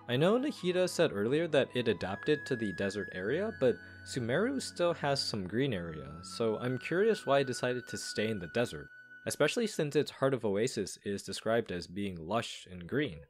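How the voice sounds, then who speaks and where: A man giving scripted video commentary as he reviews and analyses a game's story. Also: mid-range voice. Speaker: game reviewer and lore commentator.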